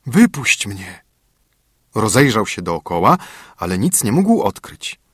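Husky guy reading a fairy tale, lively ups and downs, dry close sound. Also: on the low side, moderate pace, no room sound. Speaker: narrator. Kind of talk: storybook reading.

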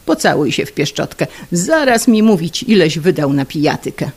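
A woman's voice: deep voice, very animated, measured pace, gravelly, husky, heavily acted. A woman voicing a domineering wife, a singer who barks orders and scolds her husband. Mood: scolding. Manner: commanding, scolding, barking orders. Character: domineering shrill opera-singer wife, bossy and quick to scold.

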